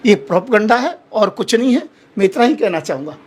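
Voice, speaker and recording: A man's voice: high-pitched, animated, quick pace, a little hiss or hum. A man, a Hindu holy man appearing as a guest in a heated television debate, who speaks in an impassioned, pleading way and keeps repeating himself.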